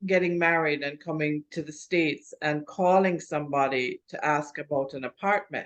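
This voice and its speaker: A woman speaks in a Jamaican accent at a moderate pace. Her voice sounds dry and close, with no echo. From Jamaica, Mandeville (rural). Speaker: author. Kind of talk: interview.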